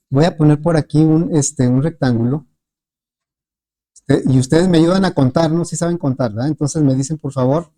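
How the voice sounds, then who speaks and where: A man's voice: fairly high pitch, warm tone. A man teaching a class, patiently checking in with students through frequent questions. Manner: patient, with many fillers and restarts. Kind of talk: classroom lecture.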